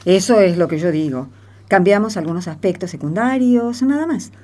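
A woman's voice: mid-range voice, animated, moderate pace, warm tone, lightly acted. A woman with an Argentine accent speaking in a conversational radio drama style. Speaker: cast member of a religious radio show.

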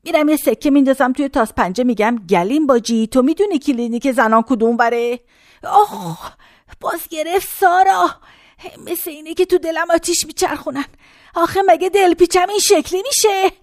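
A woman's voice: sits high, dry recording, clean studio sound, lightly acted. A woman playing a rambling, pained very old woman. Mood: fretful. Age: older. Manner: rambling, folksy, drifting between memories and complaints.

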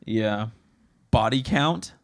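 A man's voice: mid-range voice, expressive, slow. A man co-hosting a casual podcast chat, teasingly quizzing his co-host on slang.

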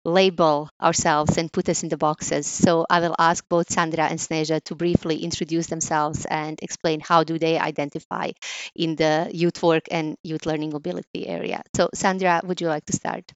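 A woman's voice: low-pitched, flat delivery, normal speed, clear, resonant tone, no echo. A woman hosting a podcast, politely introducing her guests. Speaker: podcast host. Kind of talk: podcast moderation.

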